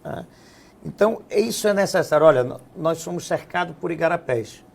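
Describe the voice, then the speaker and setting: Man, gravelly, slightly high voice, measured explanatory interview talk. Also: lively intonation. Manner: measured, explanatory, frequent "né?" tags. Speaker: guest, health businessman and former legislative assembly president. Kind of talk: political interview.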